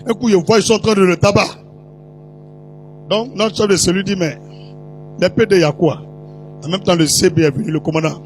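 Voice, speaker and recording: A high-pitched male preacher holds forth in an animated, teasing storytelling sermon. He breaks into put-on voices and sudden shouts. Soft music plays faintly behind him. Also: a little fast, long pauses.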